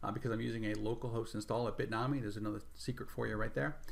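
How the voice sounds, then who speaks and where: Very fast speech from a man with ordinary pitch variation. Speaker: software developer demonstrating product. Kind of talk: tutorial. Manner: casual. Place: home room.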